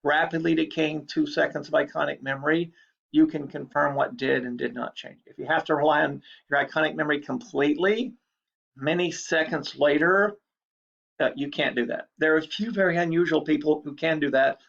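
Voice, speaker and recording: A man's voice: on the high side, fairly even intonation, brisk, gravelly, fairly bright tone. A man giving a recorded lecture in a chatty, explanatory way, repeating key points. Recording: dull lo-fi recording.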